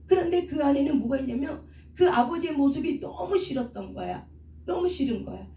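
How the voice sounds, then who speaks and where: Middle-aged woman, counselor and preacher, mellow tone, picked up from a distance in an echoey church hall. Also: high-pitched, animated, brisk, gravelly. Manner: asks rhetorical questions and answers them herself. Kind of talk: teaching sermon with questions to the congregation. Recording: echoey room, speaker away from the mic.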